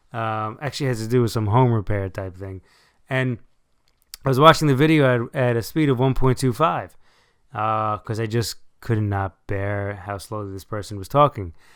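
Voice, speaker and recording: Over a very clean recording with a silent background, a man talks at a moderate pace and medium pitch. His loudness swings widely while his pitch varies in an ordinary way. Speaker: crypto trading youtuber. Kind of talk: tutorial. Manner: hesitant, many fillers.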